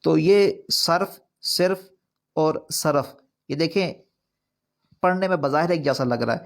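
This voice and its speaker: A man's voice: on the high side, creaky, a little mellow. A man teaching an online recitation course, explaining points earnestly and repeating them with rising emphasis. Urdu is not his first language.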